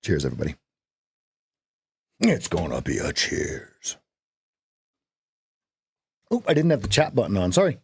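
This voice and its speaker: A man's voice: sits low, wildly swooping pitch, unhurried, creaky, long pauses, breathy edge, no room sound. A man hosting a live day-trading stream, chatting with viewers and repeating phrases as he watches the market.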